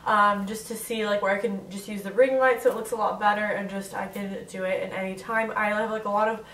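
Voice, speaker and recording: With a congested nose giving her a nasal sound, a young woman in her twenties does a casual Q&A vlog on her bed, saying "like" constantly. Her mid-range voice is fairly bright with fairly even intonation and a slightly fast pace, recorded roughly from a distance in an echoey room.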